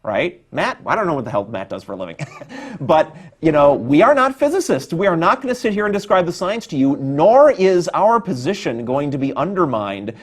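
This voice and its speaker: A man's voice: a little high, very animated, a little fast. A man co-hosting an unscripted call-in debate, arguing back in an exasperated, emphatic way. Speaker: talk show co-host.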